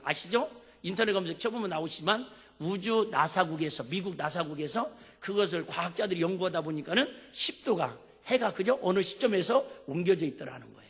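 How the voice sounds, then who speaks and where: A man's voice: high voice, fairly bright tone, slightly rough. A male pastor preaching a sermon, emphatic and asking the congregation questions. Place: church sanctuary. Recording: long hall reverb.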